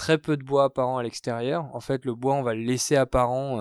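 A man with a normal speaking voice talks at a medium pitch and moderate pace, in a dry, close sound with no echo and a very clean recording with a silent background. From Brittany, France. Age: 30s. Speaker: property developer executive. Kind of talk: interview.

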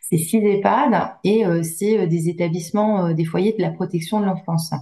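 Somewhat breathy and dark, mellow in tone, the voice keeps a moderate pace and fairly even intonation. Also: woman. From Normandy, France. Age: 40s. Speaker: association director. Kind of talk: interview.

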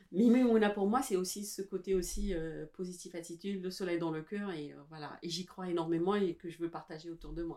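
A woman with a normal speaking voice talks at a fairly quick pace. She has hardly any pauses and fairly even intonation. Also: fairly low pitch for a woman. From Algeria, Constantine. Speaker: small business founder. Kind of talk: interview.

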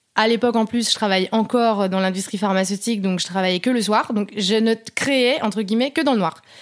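In a normal speaking voice, a woman talks at a fairly quick pace, her pitch fairly high and her intonation fairly even. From northern France. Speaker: paper artist and art director. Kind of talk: casual interview. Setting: home studio.

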